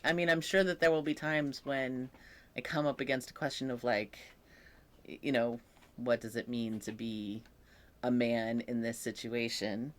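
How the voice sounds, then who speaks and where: A young trans man vlogging a casual personal update, speaking thoughtfully with many pauses and fillers, his voice sometimes croaking. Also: mid-range voice, fairly even intonation. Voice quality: occasionally croaky voice.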